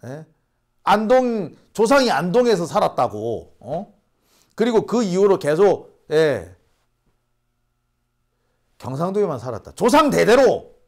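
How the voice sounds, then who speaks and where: A man's voice: high-pitched, big pitch swings, measured pace, pauses often, darkish tone. A man from Busan, hosting political commentary and ranting indignantly with rhetorical questions. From Busan, South Korea. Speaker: host.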